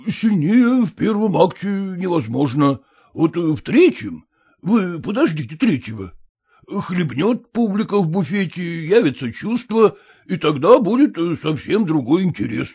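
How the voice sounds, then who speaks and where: A man voicing a fussy older theatre man who reassures an actress slowly, with hesitant pauses. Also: high-pitched, big pitch swings, darkish tone, slightly rough, heavily acted. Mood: reassuring. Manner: unhurried, hesitant with drawn-out "uh"s.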